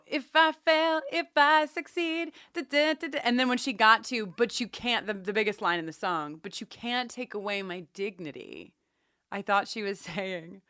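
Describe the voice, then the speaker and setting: A woman in her forties co-hosting a podcast, chatting and telling stories in an animated, enthusiastic, wandering way. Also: medium pitch, a little slow, smooth, dry recording, studio quality. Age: 40s. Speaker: podcast co-host. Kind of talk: casual chatty storytelling and banter.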